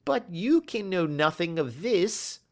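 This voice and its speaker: Male reader doing a frightened little man, high quavering whine, nervous, storybook character. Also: very animated, takes it slowly, full character voice. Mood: frightened whining.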